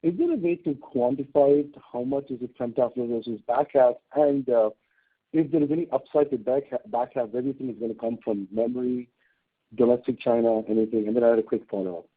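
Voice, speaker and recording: A male analyst puts short, conversational questions through a narrow phone connection. His voice is husky and medium in pitch, with a tinny sound from the line. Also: brisk. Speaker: financial analyst asking questions. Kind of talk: brief conversational questioning on a call.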